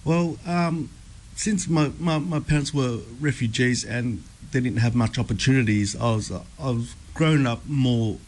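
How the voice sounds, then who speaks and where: A young Australian man telling his life story as a radio guest, halting, with many ums and repeated words. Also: medium pitch, low-quality recording. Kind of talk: personal testimony interview. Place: radio studio.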